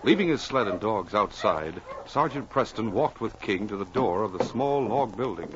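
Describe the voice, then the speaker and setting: A man's voice: fairly low pitch, expressive, moderate pace. A man announcing and narrating dramatically and emphatically in 1940s radio style. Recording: dull, noisy old radio recording.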